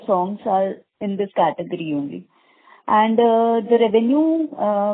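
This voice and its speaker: A woman asking an investor question as a caller, in hesitant, broken-up phrases. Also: mid-range voice. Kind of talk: unscripted investor question on a conference call. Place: telephone call. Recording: narrow phone-like line.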